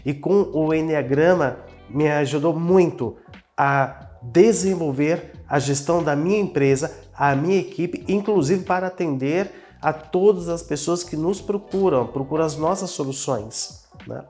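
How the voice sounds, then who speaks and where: A man's voice: fairly high pitch, measured pace, darkish tone, soft background music. A man with a Brazilian Portuguese accent, a business owner sharing personal experiences in an earnest, casual conversation. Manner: earnest, personal, self-reflective storytelling.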